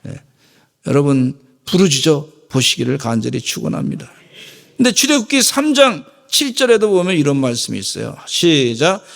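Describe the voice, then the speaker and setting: A middle-aged man pastor preaching a sermon with emphatic swings between loud exhortation and quiet asides. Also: fairly high pitch, big pitch swings, normal speed, vocal fry, in a large hall. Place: church sanctuary.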